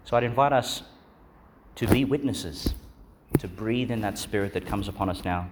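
A man speaking as a Catholic priest in a solemn, measured and reflective way, as in a gospel reading or homily. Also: lowish voice, very noisy.

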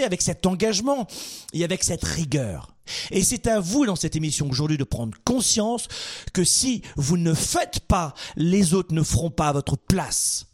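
A man hosting a motivational call-in show, addressing listeners directly in an emphatic, exhorting style with rhetorical questions. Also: high-pitched.

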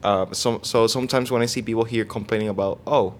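Young Venezuelan man, Spanish native, a casual guest who keeps restarting sentences in a low-ish voice. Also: fairly even intonation, slight background noise. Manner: halting, searches for words, many restarts. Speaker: guest, online fitness coach. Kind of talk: casual interview.

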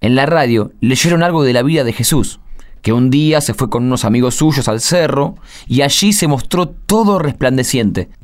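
A man with an Argentine accent playing a devout, gentle young expectant father in a radio drama. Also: mid-range voice, lively intonation, moderate pace, lightly acted. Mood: thoughtful, moved.

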